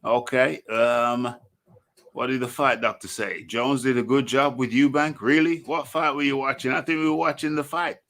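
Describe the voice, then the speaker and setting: Animated host who stumbles and restarts. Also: male voice, mid-range voice. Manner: lively, stammering restarts, quick affirmations. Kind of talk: casual boxing talk show.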